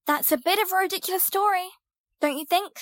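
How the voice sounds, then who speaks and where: A woman's voice: very high-pitched, fairly quick, fairly bright tone, dry recording. A woman playing a sceptical, analytical young adventurer in an audio drama, questioning and reasoning things out. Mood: sceptical, thoughtful.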